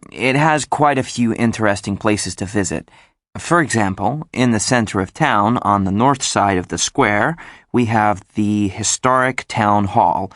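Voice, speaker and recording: A man reading a scripted monologue for a listening exercise, in a calm, even way. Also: lowish voice, no echo, clean studio sound. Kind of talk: scripted monologue describing a town.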